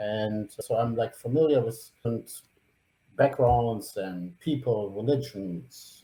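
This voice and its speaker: A man with a German accent, a medium pitch and a dark, mellow tone speaks at a moderate pace, somewhat breathy, with lively intonation. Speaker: tech company CEO. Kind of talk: podcast interview. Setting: remote call. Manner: halting.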